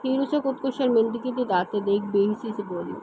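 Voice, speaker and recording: A woman reading a romance novel aloud in steady storytelling narration. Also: a little high, background noise. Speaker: novel reader.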